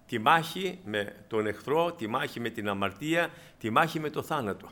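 A man preaching a sermon in a meeting hall, calling his listeners brothers and moving between loud emphatic bursts and quiet asides. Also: mid-range voice, expressive.

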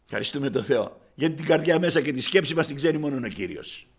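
High-voiced male preacher telling a story. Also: lively intonation, slightly rough. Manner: storytelling, addressing listeners as brothers; acts out dialogue in quoted voices. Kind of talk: sermon.

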